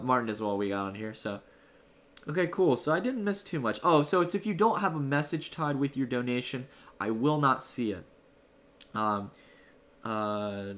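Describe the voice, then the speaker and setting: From a room in his home, a male livestream host speaks in a mid-range, somewhat bright voice. Loose and rambling, he thanks donors and replies to chat casually.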